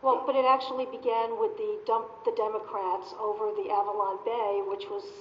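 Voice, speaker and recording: A woman on a town board answering a speaker at a meeting, defensive and quick to turn questions back on others. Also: medium pitch, little pitch movement. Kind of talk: meeting exchange. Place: town hall meeting room. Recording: echoey hall, muffled, faint noise.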